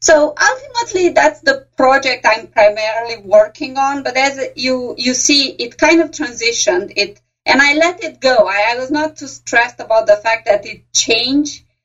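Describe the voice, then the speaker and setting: With a Romanian accent, a woman talks at a high pitch and moderate pace, barely pausing, her pitch varying ordinarily and her loudness swinging widely. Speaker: professor. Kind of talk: casual interview about research. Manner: halting, many fillers.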